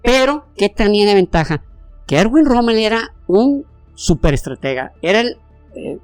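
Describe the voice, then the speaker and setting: A Mexican-accented podcast co-host rambles through history in a casual, slangy way, restarting sentences often. The pitch swings widely and sounds animated. Soft music sits underneath. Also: moderate pace. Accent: Mexican Spanish.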